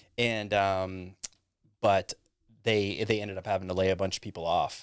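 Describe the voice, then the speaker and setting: Speaking at a moderate pace and a fairly low pitch, a man keeps a monotone, flat intonation. The recording is very clean, with a silent background. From Maine. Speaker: physical therapist assistant. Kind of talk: casual chat. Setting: studio.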